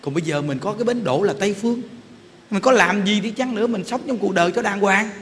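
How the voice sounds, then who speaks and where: A Buddhist monk, telling stories in a casual, animated sermon that speaks straight to his listeners. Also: high-pitched, quick pace. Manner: animated, laughing, addresses listeners directly. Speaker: Buddhist monk giving a dharma talk. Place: temple hall. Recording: reverberant hall, faint background noise.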